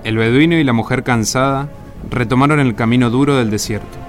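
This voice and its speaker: A man plays a solemn storyteller narrating a desert radio play. His mid-range voice is measured and poetic. Soft music runs beneath the narration. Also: mid-range voice, lightly acted. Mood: grave. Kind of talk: scripted radio drama narration. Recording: music under the voice.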